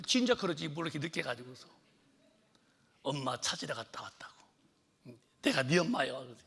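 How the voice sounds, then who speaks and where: Male pastor, middle-aged, sermon storytelling, very bright tone, husky and gravelly, shouts and whispers. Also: on the high side. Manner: storytelling, acts out shouting mother, drops to whispers.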